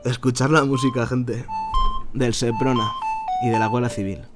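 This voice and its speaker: A man's voice: medium pitch, fairly even intonation, moderate pace. A man with an accent from Spain, talking informally as a caller and commentator, colloquial and indignant. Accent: Spanish, from Spain. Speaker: caller and narrator of his own video. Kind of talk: phone call with informal commentary to viewers. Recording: music behind the voice. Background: music.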